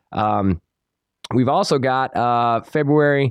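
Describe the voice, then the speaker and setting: Over a quiet background, a man with a North Carolina accent and a medium pitch uses lively intonation, his sound dry and close with no echo. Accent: Southern US, North Carolina. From North Carolina Piedmont. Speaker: radio host. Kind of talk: casual interview.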